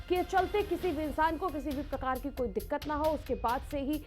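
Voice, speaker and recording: A woman with a high voice anchors live breaking news. She is emphatic and circles back over her points, with music playing faintly underneath. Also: fairly quick.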